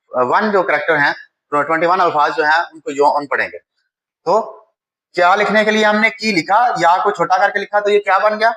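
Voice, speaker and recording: A man's voice: high voice, bright, forceful tone, low-quality recording. A man with a Pakistani Urdu accent, teaching a Japanese writing lesson at a whiteboard, patient and step by step.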